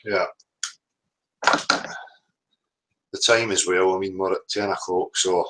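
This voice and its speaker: A man's voice: low-pitched, fairly even intonation, slow, pushed and bright. A man with a Scottish accent chatting casually as a livestream host and reading out the live chat.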